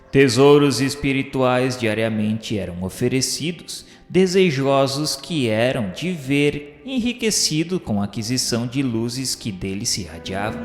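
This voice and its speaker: A man playing a solemn narrator in a scripted radio drama, speaking in a formal, measured way. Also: mid-range voice. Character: solemn male narrator recalling the spirit world. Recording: echoey long reverb, music bed.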